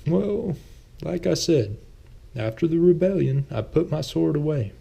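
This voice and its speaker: Casting: male narrator as an affable ex-swordsman turned rich jeweler, pitched up, mildly defensive, fantasy storybook. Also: expressive, a little slow, gravelly, mellow, breathy edge, heavily acted. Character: Thomas, friendly well-off jeweler, former swordsman.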